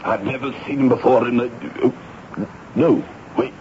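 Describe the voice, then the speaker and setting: A man's voice: medium pitch, moderate pace, lightly acted. An actor playing a self-important, outraged clergyman in a radio drama. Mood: indignant. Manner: pompous, outraged. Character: indignant, self-important reverend. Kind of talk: 1970s radio drama acting. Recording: dull radio recording with faint noise.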